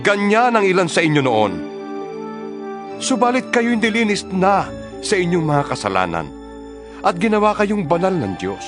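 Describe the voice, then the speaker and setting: A man playing a stern, impassioned apostle in a dramatized scripture reading, admonishing his church with emphatic, preacherly delivery. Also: sits high. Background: music behind the voice.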